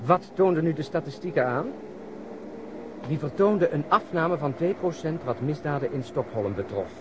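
A man's voice: a little high, animated, normal speed, dull audio, lightly acted. A man playing a wry, lecturing police detective. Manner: wry, lecturing, explains at length. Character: wry, talkative middle-aged male police detective. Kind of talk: radio play acting. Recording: noisy old radio recording.

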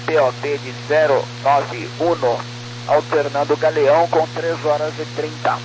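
A man's voice: fairly high pitch, level tone, a little slow. A man working as a pilot, giving clipped procedural readbacks in aviation phraseology over a crackly, military-style radio. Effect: crackly military-style radio transmission. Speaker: airline pilot. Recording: crackly, noisy aircraft radio link.

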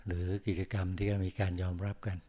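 Low, flat-voiced monk giving a dharma talk. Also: male voice. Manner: slow, measured speech with many pauses and the particle "na". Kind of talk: sermon. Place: forest monastery.

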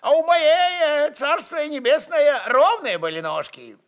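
A man's voice: very high-pitched, animated, pitched above the performer's own voice, heavily acted. A man voicing a fussy, grumbling old Cossack horse expert with picky, folksy talk in a dramatized reading. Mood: animated grumbling. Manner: slow, picky, folksy exclamations.

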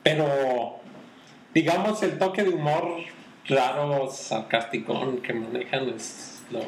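Relaxed man in an echoey room. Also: medium pitch, slow pace. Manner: hesitant, restarts often, relaxed. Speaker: podcast co-host, film commentator. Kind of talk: casual chat. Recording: roomy echo with faint background noise.

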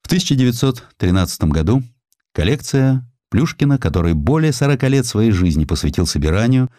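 A man reading a scripted historical narrative in an expressive, theatrical storytelling manner. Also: mid-range voice, a little fast, dry recording, studio quality. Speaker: audiobook narrator.

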